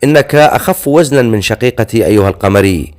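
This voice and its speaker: A man reading the lines of a huge tribal lord in an audiobook, speaking in a gruff, blunt way. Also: fairly low pitch, animated, fast, darkish tone, close to an everyday voice.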